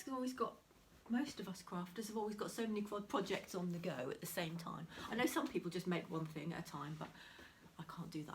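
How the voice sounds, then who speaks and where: A woman, chatting casually to camera about her crafts, slightly nasal from a cold and often half-whispering. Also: on the low side. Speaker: crafting vlogger. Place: home room beside a window, heavy rain outside. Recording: faint rain noise.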